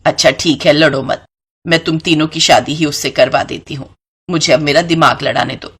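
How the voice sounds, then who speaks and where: A woman's voice: deep voice, fairly even intonation, normal speed, fairly bright tone, husky, voice pushed down, full character voice. A woman voicing a greedy, scheming middle-aged maidservant with sugary, coaxing talk in a cartoon story.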